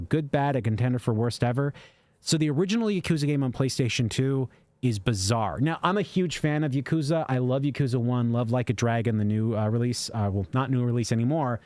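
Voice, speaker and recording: A man's voice: mid-range voice, brisk, a little mellow, no room sound. A man co-hosting a casual livestream, reading out viewer super chats and answering with lots of fillers. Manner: rambling, reads super chats aloud with fillers. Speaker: co-host answering viewer questions. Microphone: studio microphone.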